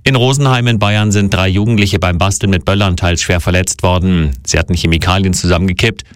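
Deep-voiced man reading radio news. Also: steady tone, fairly quick, smooth, dry recording, studio quality. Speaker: newsreader.

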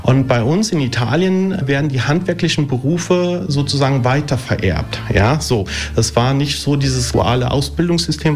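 A man in his forties, an ice cream maker, talking casually and chattily in an interview with many fillers and easy laughter. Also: medium pitch. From Germany.

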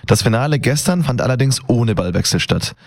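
A man presenting the morning news on a regional radio station in a measured newsreader delivery. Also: medium pitch, expressive, gravelly. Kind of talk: read news bulletin.

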